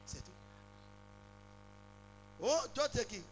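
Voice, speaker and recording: A man preaching a sermon in short phrases for an interpreter, swinging between shouts and quiet asides and asking if the congregation follows. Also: takes it slowly, slight background noise, low-quality recording.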